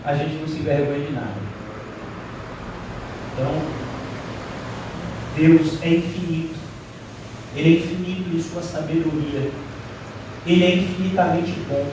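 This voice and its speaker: A man preaching a sermon as pastor, animated, mimicking the voices of doubters, recorded in a church hall from a distance. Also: on the high side, a little slow, long pauses, noisy background. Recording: echoey hall, heard from a distance.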